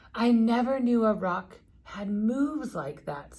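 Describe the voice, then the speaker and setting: A put-on character voice comes across as female-sounding, with a fairly high pitch. It moves at a fairly slow pace. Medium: read story.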